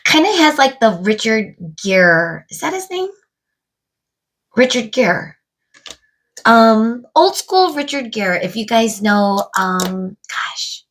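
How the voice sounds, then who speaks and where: A tarot reader draws cards to camera and reads them aloud casually, musing to spirit and to her viewers. She sounds a little stuffed up from a cold. Her voice is on the high side and a bit bright, slow, with big pitch swings.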